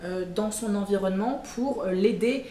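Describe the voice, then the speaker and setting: A woman giving a casual talk on personal growth, chatty and loose, with frequent fillers and playful self-mocking asides. Her voice sits at a middle pitch. The room is echoey, with a faint ambient hum behind her. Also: moderate pace, warm tone. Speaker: personal development YouTuber. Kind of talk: casual spoken explainer to camera.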